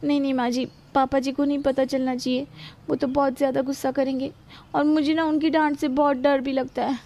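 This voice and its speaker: Woman doing a nervous young bride, high voice, pleading. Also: level tone, brisk, darkish tone, dull audio. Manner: pleading, fearful. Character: timid young daughter-in-law.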